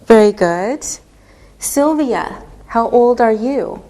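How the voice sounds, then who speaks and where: A woman's voice: a little high, lively intonation, takes it slowly, dark tone. A woman teaching an elementary English lesson, speaking carefully and repeating each example patiently. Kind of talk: slow, carefully enunciated classroom teaching.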